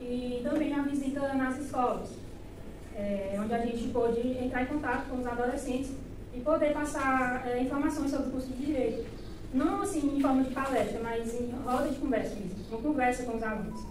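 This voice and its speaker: A woman at a high pitch and moderate pace, with fairly even intonation, noticeable background noise and audible room echo. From Tocantins, Brazil. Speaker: law student. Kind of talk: student project presentation. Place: classroom. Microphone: camera far.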